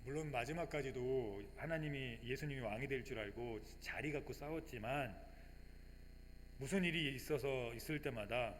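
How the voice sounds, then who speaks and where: A male pastor preaching a sermon with emphasis. He voices his congregation's questions in a casual tone and moves between quiet reflection and loud fervent declarations. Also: mid-range voice, normal speed, big-room sound, slight background noise. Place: church sanctuary.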